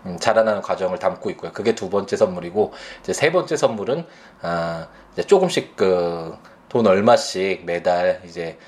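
Very low-voiced father, slow and hesitant. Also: darkish tone. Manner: slow, hesitant, many fillers. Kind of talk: reflective personal testimony.

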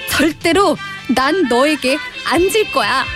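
Lady doing a feisty little cartoon girl, high earnest voice, really animated. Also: slow, over music. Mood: defiant, determined. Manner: defiant, earnest. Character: plucky, feisty young girl runner from a cartoon.

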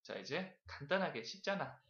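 A man's voice: fairly high pitch, big pitch swings, normal speed, a bit bright, lo-fi sound. A man coaching English in a casual chat, teasing and prompting his partner.

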